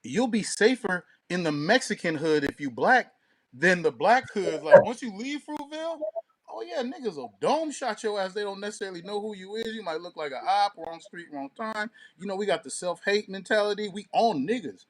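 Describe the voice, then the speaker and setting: A man's voice: high voice, expressive, moderate pace, poor audio. A man co-hosting an online show, chatting casually with heavy slang.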